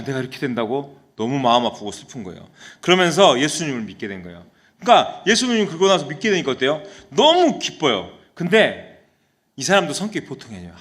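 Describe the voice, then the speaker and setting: A man, a senior pastor, preaching a sermon in a church service, telling a story and often putting questions to the congregation. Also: medium pitch. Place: church sanctuary during a live service.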